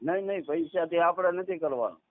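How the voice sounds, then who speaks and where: A man's voice: fairly high pitch, brisk. Saurashtra Gujarati man on a tinny phone. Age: 30s. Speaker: caller, farmer. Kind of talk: casual phone conversation. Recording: tinny, narrowband phone call recording.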